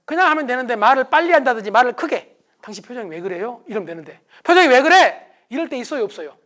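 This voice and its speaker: A man's voice: extremely high pitch, very fast. A middle-aged man giving a motivational lecture to an audience, acting out quarrels in a raised voice. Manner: animated, acts out quarrels in raised voice.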